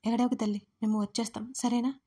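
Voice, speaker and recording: A woman's voice: fairly high pitch, little pitch movement, quick pace, warm tone, breathy edge. A woman doing a worried, soothing grandmother. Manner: worried, comforting. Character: elderly grandmother, anxious and soothing.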